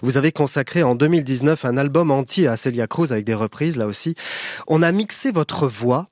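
A man's voice: medium pitch, lively intonation, fairly quick, darkish tone, dry recording. A man hosting an interview in a studio, posing long admiring questions with occasional fillers. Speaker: radio interviewer. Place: recording studio. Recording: dry, close studio sound.

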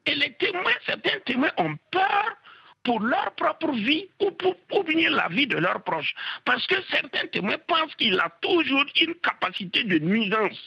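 A man's voice: very high voice, sing-song, gravelly, bright, forceful tone. A male caller on a radio call-in show, speaking with passion and pleading, often stumbling and restarting his words. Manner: impassioned, pleading, halting restarts. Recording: dull phone line.

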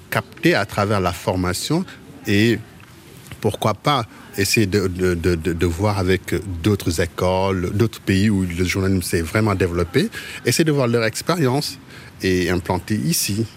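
A low-pitched man from Mauritania talks through interview answers. He is a journalist who halts often and repeats little words while he gathers his thoughts, with faint background noise around him. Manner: halting, with frequent word repetitions.

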